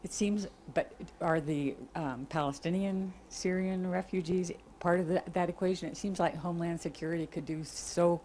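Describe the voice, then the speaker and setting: A woman in the audience asking a question, hesitant and halting. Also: on the low side, steady tone, mellow, a little hiss or hum. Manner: hesitant, with fillers. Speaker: audience member. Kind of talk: question from the floor. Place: lecture room.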